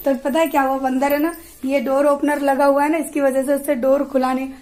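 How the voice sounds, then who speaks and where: A young woman vlogging from her home, chatting to camera and telling stories in a lively way. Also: high voice, fairly quick, roomy sound. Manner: chatty, animated storytelling. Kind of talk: casual chat to camera. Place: at home, indoors.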